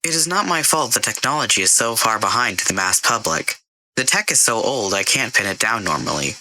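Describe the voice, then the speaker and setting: Man voicing an unflappable female AI, soft and raised. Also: on the low side, animated, brisk, no room sound, pitched above the performer's own voice, full character voice, poor audio. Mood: defensive. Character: dry, unflappable female artificial intelligence assistant.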